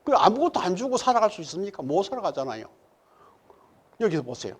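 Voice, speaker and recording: Man, pastor, sermon, rhetorical questions, highly animated pitch. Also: fast talker, breathy edge. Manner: preaching with rhetorical questions to the congregation; swings from loud emphatic peaks to low murmured asides. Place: church sanctuary.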